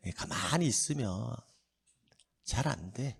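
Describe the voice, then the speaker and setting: A middle-aged man teaches an exam-prep lesson with a lively, swinging pitch. He keeps asking his students a question and answering it himself, and drills them to repeat phrases aloud, with a few joking asides along the way. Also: takes it slowly, gravelly, breathy edge. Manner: animated, asks and answers his own questions. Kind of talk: exam lecture.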